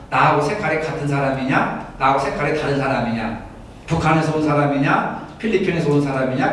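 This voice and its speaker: A male pastor from Daejeon leading a Bible study, asking his listeners for agreement again and again. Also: on the high side. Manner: asks listeners for agreement often. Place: church room. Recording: echoey room from far off, faint noise.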